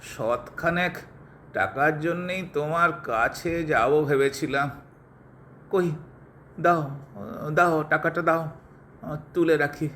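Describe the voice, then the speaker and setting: A man's voice: fairly high pitch, slow pace, long pauses, sharp tone, slight background noise. A man playing a grasping, querulous elderly father-in-law in an audio drama, nagging and wheedling. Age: older. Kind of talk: Bengali audio drama acting.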